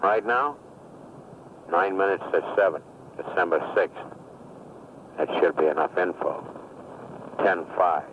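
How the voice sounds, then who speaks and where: A man's voice: sits low, measured pace, long pauses, muffled recording, background noise. A man playing a streetwise ex-convict who talks pushy jive slang, heard on an old worn answering-machine tape. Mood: scheming. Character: fast-talking male ex-con just out of prison.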